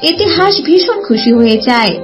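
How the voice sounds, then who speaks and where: A woman's voice: high voice, very animated, fairly quick. A woman narrating a scripted children's story.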